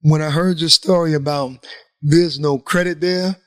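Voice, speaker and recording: A man's voice: fairly high pitch, steady tone, normal speed. A man, a guest in a casual interview, speaking emphatically and repeating phrases for stress.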